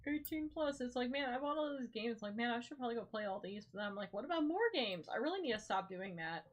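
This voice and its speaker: A woman's voice: fairly high pitch, lively intonation, fast talker. A tired, yawning woman chatting casually as co-host and swearing freely. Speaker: stream co-host. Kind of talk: casual chat.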